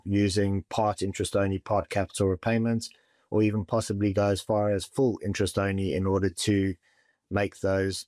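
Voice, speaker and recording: A man answering interview questions as a property and mortgage advisor, speaking in a measured way and often repeating words as he starts. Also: low-pitched, darkish tone, no room sound.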